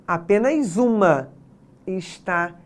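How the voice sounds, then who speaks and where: A woman's voice: medium pitch, animated, takes it slowly. A woman with a Brazilian Portuguese accent teaching an exam prep lesson, explaining step by step and checking in with her students.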